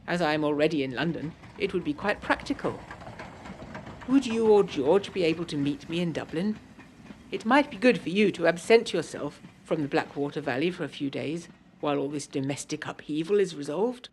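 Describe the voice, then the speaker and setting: A woman's voice: sits low, expressive, moderate pace, darkish tone, slight background noise. A woman playing a genteel, proper yet adventurous 1920s Englishwoman, reading a letter in an audio drama with refined, formal, old-fashioned phrasing. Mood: concerned, fond.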